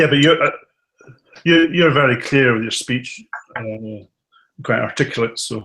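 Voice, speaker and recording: Talking at a moderate pace with a Scottish accent, a man uses a fairly high pitch and ordinary pitch variation, leaving long, frequent pauses. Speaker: guest on live stream. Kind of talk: casual discussion. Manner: mumbling.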